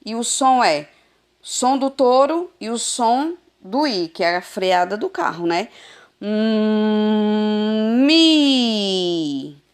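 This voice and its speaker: A woman teacher giving a recorded adult literacy lesson over a phone, sounding out syllables slowly and patiently. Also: on the high side, expressive. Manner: slow, patient, drawn-out syllables.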